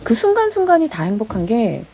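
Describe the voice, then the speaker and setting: A woman who hosts a radio program reading fairy tales to adults, answering interview questions in a soft, reflective, unhurried way. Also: on the high side, huge pitch swings, slightly rough.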